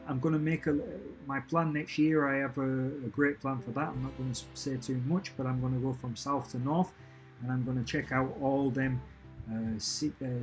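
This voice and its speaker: A man's voice: medium pitch, poor audio. A man hosting a casual live stream from home, chatting in a rambling, upbeat way and often restarting his sentences. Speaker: channel host answering live questions. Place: at home with family and a cat nearby.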